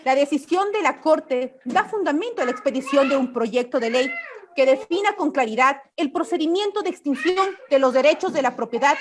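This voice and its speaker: High-voiced woman legislator. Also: noisy background. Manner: measured, argumentative, reading prepared remarks. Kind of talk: formal parliamentary speech. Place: legislative chamber.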